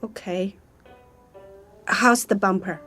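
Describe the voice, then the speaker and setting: A woman's voice: mid-range voice, takes it slowly, bright, forceful tone, soft background music. A woman acting as a protective, evasive middle-aged aunt who runs a flower shop, blunt and teasing in clipped phrases, in an audio drama. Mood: prodding.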